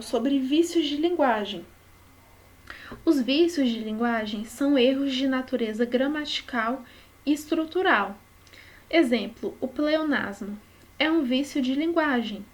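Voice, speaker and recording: Woman, Brazilian Portuguese accent, slightly high voice, patient teacher, study-with-me lesson. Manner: explains patiently with frequent tag questions.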